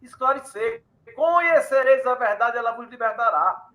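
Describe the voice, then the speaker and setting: A man's voice: very high-pitched, lively intonation, moderate pace, bright, forceful tone. A man speaking as a guest in an online panel discussion, earnest and emphatic, his audio breaking up over a bad internet connection on a laptop call. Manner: earnest, emphatic, lists examples. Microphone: laptop on a video call. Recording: echoey room, choppy call audio.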